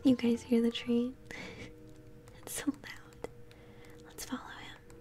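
A young woman whispers gently and breathily into a close mic, commenting on a game she plays in ASMR style. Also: a little high, monotone. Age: young adult. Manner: gentle, unhurried murmuring. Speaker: game streamer. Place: small indoor room at home. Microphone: close microphone. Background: game music.

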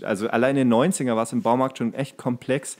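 A man co-hosts a podcast in a loose, casual chat. His voice sits at a medium pitch and he talks like he is among friends. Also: steady tone, fast talker. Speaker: podcast co-host.

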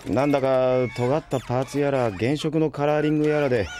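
A man's voice: medium pitch, fairly even intonation, brisk, a little mellow, a little hiss or hum, close to an everyday voice. A man playing a mild, sceptical young assistant in an anime-style audio drama. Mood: doubtful.

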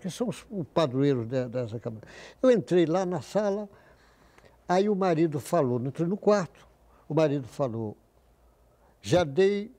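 Older man telling stories, mellow tone. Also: a little high. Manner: anecdotal, acts out quoted voices. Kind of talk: casual storytelling interview.

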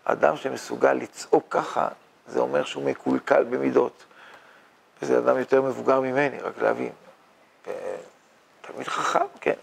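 Older male rabbi, gravelly tone, animated Torah lecture, lots of rhetorical questions. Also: mid-range voice, pauses often, a little hiss or hum. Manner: animated, rhetorical questions, mock-boastful asides. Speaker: rabbi teaching a yeshiva class. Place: yeshiva study hall, indoors.

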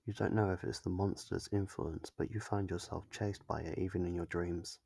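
A man narrates a scripted ASMR horror story in the second person. His voice is deep and gravelly with a husky edge. The recording is close and dry. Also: steady tone, normal speed, mellow, no echo. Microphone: close, dry microphone.

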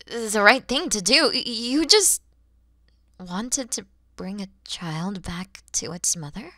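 A woman playing a kind, proud, mature dragon mother in an ASMR roleplay, with breathy delivery that often softens toward whispers and theatrical pauses. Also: medium pitch, animated, no echo, studio quality, exaggerated voice. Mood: incredulous, questioning.

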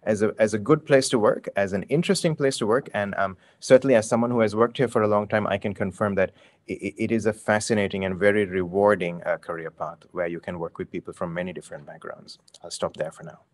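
A man's voice: lowish voice, steady tone, quick pace, no room sound. A man in his forties from Sri Lanka, a prosecutor speaking on a webinar panel over a video call, talking hesitantly with many fillers and restarts. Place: bright office room, indoors. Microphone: video call webcam.

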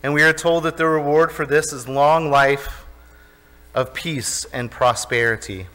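Bright-voiced male pastor in an echoey sanctuary. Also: fairly high pitch, a little slow. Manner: conversational storytelling, asks the congregation questions. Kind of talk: sermon. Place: church sanctuary. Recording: reverberant church hall.

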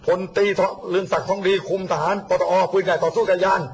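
A man's voice: high-pitched, level tone, a little hiss or hum. A man talking politics in a casual, blunt, mocking way, acting out what others said. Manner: rapid, blunt, mocking, acts out quotes. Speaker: guest speaker on politics and the army.

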